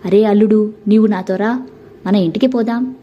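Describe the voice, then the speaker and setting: A woman voicing a fierce, domineering older village man who shouts commands. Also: mid-range voice, fairly even intonation, moderate pace, dull audio, natural voice. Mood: commanding.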